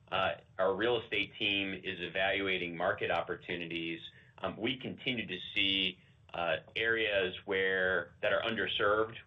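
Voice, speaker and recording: A man with a very deep voice speaks as an executive taking analyst questions. He explains things in a measured, qualified way. The conference call audio is slightly dull and muffled. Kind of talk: earnings call answers.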